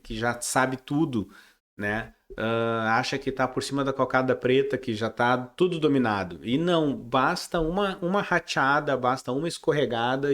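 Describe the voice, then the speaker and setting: A man talking casually in a vlog, a day trader sharing his results, with frequent restarts and tag questions at the end of his points. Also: medium pitch. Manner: frequent restarts and repeated words.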